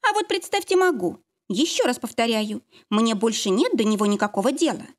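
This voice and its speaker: Strict haughty ex-wife voiced by a woman, high-pitched, insistent, lively swings. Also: fairly quick. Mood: cold, insistent. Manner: strict, pushy, sharp. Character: curt, cold, haughty ex-wife, adult woman.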